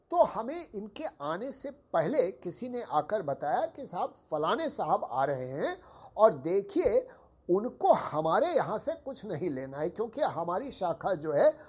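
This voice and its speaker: Slow, husky older man reminiscing. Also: high voice, darkish tone. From Uttar Pradesh, India. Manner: formal, courteous, keeps addressing listeners as sahib. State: hoarse, sore throat. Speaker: podcast host.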